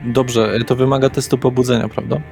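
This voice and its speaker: A man's voice: mid-range voice, level tone, fairly quick, gravelly, darkish tone. A man running a tabletop horror role-playing session as game master, narrating scenes and talking through rules. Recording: background music under the voice. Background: music.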